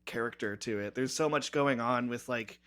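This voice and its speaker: A man's voice: medium pitch, normal speed, fairly bright tone. A man chatting casually as a podcast panelist, often restarting and repeating his words as he goes. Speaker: podcast panelist discussing a metal album. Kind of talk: casual chat.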